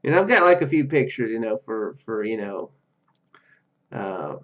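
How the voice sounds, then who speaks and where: A man's voice: on the low side, big pitch swings, a little slow. A man giving casual, rambling let's-play commentary, hesitating and repeating his words as he goes. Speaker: let's-play video host. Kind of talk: casual gameplay commentary mixed with reading dialogue aloud. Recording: dull lo-fi mic with faint music.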